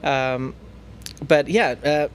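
A man's voice: a little high, takes it slowly, a little hiss or hum. A man hosting a casual news chat, talking in a playful, teasing way with plenty of fillers. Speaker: news show host.

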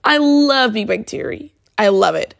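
A young woman with a European Portuguese accent hosting a casual solo podcast, animated and dropping in English phrases. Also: on the high side, unhurried, creaky, no room sound. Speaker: podcast host.

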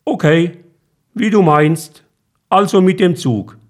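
A man's voice: high-pitched, slow, pitched above the performer's own voice. A man reading a story aloud, voicing the narrator's grown-up son with a lifted, eager voice. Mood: cheerful. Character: young adult son, worried then cheerful.

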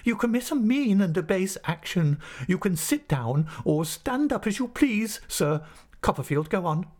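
Man acting an anguished, high-strung schoolmaster, pitched up. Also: sing-song, a little fast, darkish tone. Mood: indignant, wounded. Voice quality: tremulous. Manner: agitated, stammering, formal. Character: anguished adult male schoolmaster, indignant, trembling, wounded dignity.

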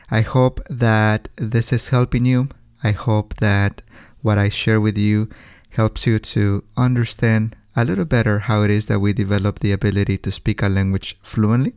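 A man hosting a podcast, explaining things to language teachers in a measured monologue with careful, chunked phrasing. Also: on the low side, darkish tone, clear, resonant tone, no room sound, studio quality. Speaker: podcast host and language educator.

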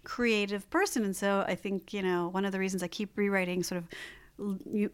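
A woman's voice: medium pitch, a little fast, smooth. A woman author, jet lagged and losing her voice, chatting and laughing in a casual interview. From United States. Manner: chatty, laughing, self-teasing. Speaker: author guest.

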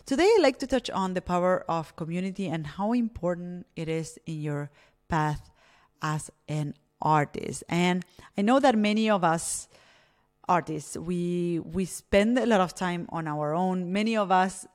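Woman from Argentina hosting a solo podcast. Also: lowish voice. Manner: reflective, unhurried, with fillers and restarts. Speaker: podcast host.

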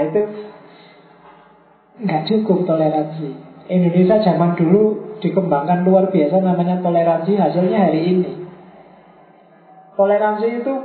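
High-voiced man lecturing. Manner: explains by asking and answering his own questions; drops English phrases into his talk. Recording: tinny, phone-like and echoey.

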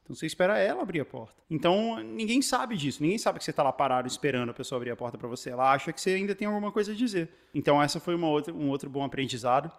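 Fast-talking Brazilian man, lively storyteller. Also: a little high. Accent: Brazilian Portuguese. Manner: animated storyteller, many restarts and fillers. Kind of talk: casual chat.

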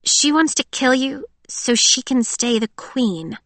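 A frightened teenage stepsister, whiny and pleading, as a woman narrator puts her on. Her voice climbs very high. The sound is dry and close. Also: expressive, slow pace, a bit bright, no room sound, full character voice. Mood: frightened, tearful.

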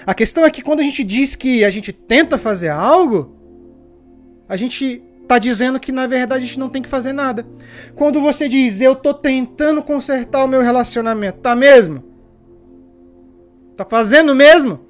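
A woman's voice: sits high, normal speed, faint music behind. A woman preaching a sermon, telling stories with energy and asking her listeners pointed rhetorical questions. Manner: lively storytelling, asks rhetorical questions.

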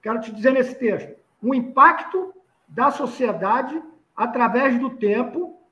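Male pundit from Recife, high voice, repeats points, dull lo-fi room sound. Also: fairly bright tone. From Recife, Brazil. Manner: explanatory, repeats points for emphasis. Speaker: football pundit. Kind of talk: casual panel discussion. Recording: dull lo-fi roomy recording.

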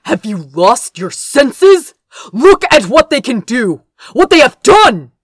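A woman's voice: sits high, sing-song, slow pace, slightly rough, no room sound, pitched above the performer's own voice, exaggerated voice. Woman voicing an arrogant, domineering royal older brother. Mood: tight anger. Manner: stern, condescending, clipped commanding delivery.

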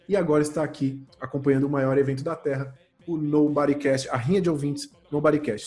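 A man's voice: a little high, dark tone. A man hosting a comedy podcast, handing out mock-serious, ironic praise. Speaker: podcast host.

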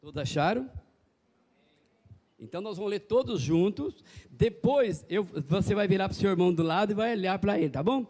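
Man, pastor, high voice, folksy animated sermon. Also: moderate pace. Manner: folksy, animated preaching with calls to the congregation. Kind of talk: evangelical sermon.

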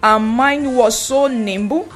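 A woman co-hosting a radio show, teaching vocabulary. She spells and defines each word slowly and carefully, and repeats her example sentences. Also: on the high side, faint music behind. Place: radio studio.

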